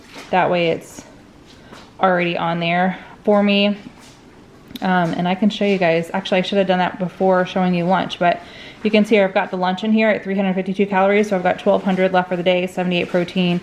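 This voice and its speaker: At a very fast pace, a woman speaks at medium pitch with flat, monotone intonation. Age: 40s. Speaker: vlogger, stay-at-home mom. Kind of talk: casual vlog talk to camera.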